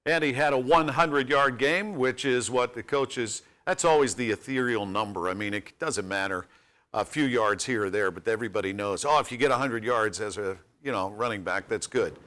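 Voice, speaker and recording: A man's voice: medium pitch, normal speed, fairly bright tone. A man hosting a sports radio show, interviewing a college football player in a friendly, folksy way with joking asides.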